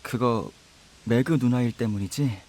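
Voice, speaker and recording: A gentle young man talks as an earnest friend in an audio drama. His voice sits at a middling pitch. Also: unhurried. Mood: earnest, consoling.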